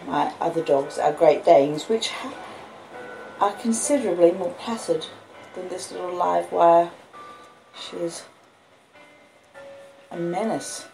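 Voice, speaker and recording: A woman's voice: on the low side, takes it slowly, gravelly, long pauses, warm tone, soft background music, poor audio. A woman in her fifties with an Australian accent, chatting casually and reading aloud at home in a homely, chatty way. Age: 50s. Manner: chatty, breaks off to talk to pet dogs. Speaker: host reading a classic novel aloud to listeners. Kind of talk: casual homely chat and audiobook-style reading. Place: at home indoors with dogs.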